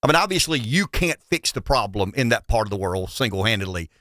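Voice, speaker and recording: A man's voice: lowish voice, very animated, fairly quick, pushed and bright, no echo, clean studio sound. A man with a Southern US accent hosting a conversational interview in a folksy way, often repeating words as he builds a question. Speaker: show host, interviewer.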